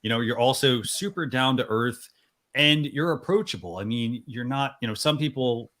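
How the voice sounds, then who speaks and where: A man's voice: medium pitch, moderate pace, a bit bright. A man hosting a weekly online talk show, speaking in a friendly, loose way with plenty of fillers.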